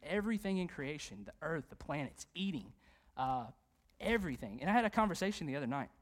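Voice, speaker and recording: A man, a youth pastor preaching a sermon in a church, animated and conversational, with frequent fillers and jokes. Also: a little high, quick pace. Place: church sanctuary.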